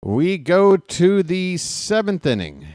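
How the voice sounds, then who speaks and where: His voice sits high and slow, captured in clean studio sound with no room sound. He's a fan play-by-play broadcaster in his late forties, calling a baseball game live and casually, with wry sarcastic asides, grumbling, and loud, animated rants.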